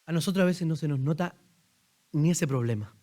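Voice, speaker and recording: A man with a Chilean accent delivers a sermon from the pulpit of a church. His voice sits high for a man, and he keeps it conversational, firing questions at the congregation. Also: a little fast, warm tone. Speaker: pastor. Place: church sanctuary.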